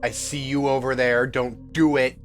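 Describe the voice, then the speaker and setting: A man's voice: medium pitch, level tone, moderate pace, faint music behind. A man streaming a story game, chatting playfully and making jokey asides as he reads. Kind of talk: casual game stream, reading story aloud.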